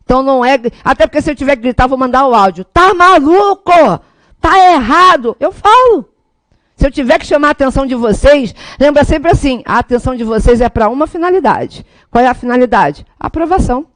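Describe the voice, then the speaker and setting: A Brazilian Portuguese woman delivering an energetic law lesson with a high voice. She rallies and coaches her students directly. The sound is dry and close, with no room around it. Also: quick pace, few pauses, no room sound. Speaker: law teacher. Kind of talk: lively classroom lecture.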